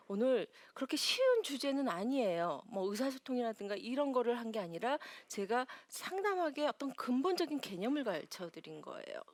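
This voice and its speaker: Lady lecturing a crowd, bouncy pitch, kinda high voice, acts stuff out. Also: dry recording. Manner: animated, acts out quotes, laughs often. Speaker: lecturer and counselor. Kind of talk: lively lecture to a live audience.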